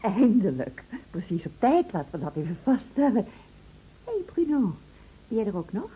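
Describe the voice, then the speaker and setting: An actress playing a breezy, unconcerned wife in a Dutch radio play, chatty and bantering in a light, teasing manner. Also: female voice, mid-range voice, big pitch swings, normal speed, dark tone, close to an everyday voice. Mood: teasing, cheerful. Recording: dull, noisy old radio recording.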